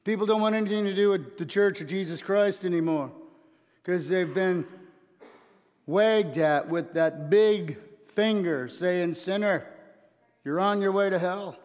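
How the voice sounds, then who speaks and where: A middle-aged pastor preaching in a big church hall, telling little stories and shifting between quiet, confiding asides and loud, urgent pushes. His voice sits slightly high for a man. The long reverb of the hall trails behind him. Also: measured pace. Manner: storytelling preacher, animated, swings between soft asides and loud emphasis. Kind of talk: sermon. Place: church stage, large hall.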